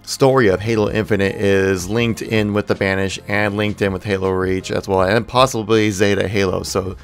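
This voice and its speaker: A man's voice: fairly low pitch, little pitch movement, moderate pace. A man hosting a gaming channel, giving news commentary in an enthusiastic, informal way.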